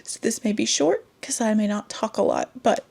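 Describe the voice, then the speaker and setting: A woman's voice: medium pitch, animated, normal speed, creaky, a little mellow. A congested woman hosting a casual book review channel, rambling and correcting herself and laughing often as she talks into a desk microphone. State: congested from a cold. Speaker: booktube host.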